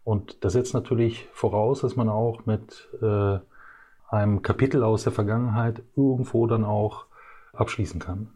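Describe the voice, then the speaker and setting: Male business guest, fifties, low register, dark soft tone, hesitant off-the-cuff answers. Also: steady tone, slightly rough. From Brussels region, Belgium. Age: 50s. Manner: hesitant, halting, feels for words. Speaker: interview guest, chief executive. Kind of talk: unscripted interview answers.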